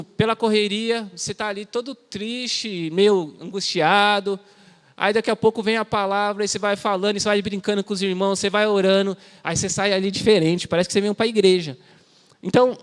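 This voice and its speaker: A man's voice: high-pitched, clear, resonant tone. A man preaching an informal sermon in a church hall, telling stories in a conversational, slangy way. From Brazil. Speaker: lay preacher. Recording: long church-hall reverb.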